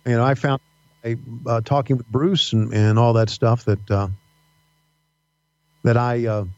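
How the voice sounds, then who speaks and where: Middle-aged male guest with a faint Southern accent, halting storyteller, dry, slightly muffled audio. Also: medium pitch, steady tone, smooth, no room sound. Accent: slight Southern American. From Virginia mountains. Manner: halting, many fillers and restarts. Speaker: podcast guest, wrestling announcer. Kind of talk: casual interview storytelling. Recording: dull dry podcast audio.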